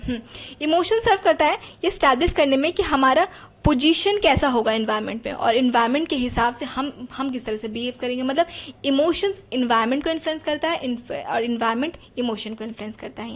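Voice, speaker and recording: A woman gives a psychology lesson. She talks in a chatty way and keeps putting rhetorical questions to her students. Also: high voice. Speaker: teacher.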